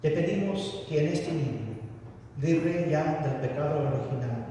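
A man's voice: a little high, warm tone. Male priest saying solemn prayers, big cathedral echo with long reverb, bit of background noise. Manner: formal, measured reading with occasional stumbles. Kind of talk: solemn liturgical prayer recitation. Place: large church interior. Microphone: distant camera recording. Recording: cathedral-like echo, distant mic, noisy room.

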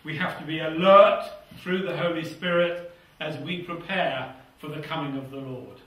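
Older British male preacher, fervent, drops to a hush at phrase ends; distant, very reverberant hall. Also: a little high, steady tone, moderate pace. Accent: British English. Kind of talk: sermon with scripture reading. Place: small church hall with seated congregation. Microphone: lapel mic. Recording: echoey hall, somewhat far from mic.

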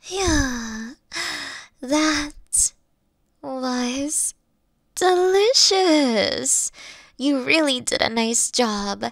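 Playful kitsune witch girlfriend, played by a woman: affectionate, teasing, high creaky voice, very close dry roleplay audio. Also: fairly bright tone, no echo, exaggerated voice.

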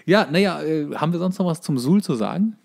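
A man's voice: a little high, expressive, fairly quick, vocal fry, a little mellow. A man in his thirties co-hosting a podcast in casual, rambling chat, with a dry, tongue-in-cheek manner. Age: 30s. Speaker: podcast co-host.

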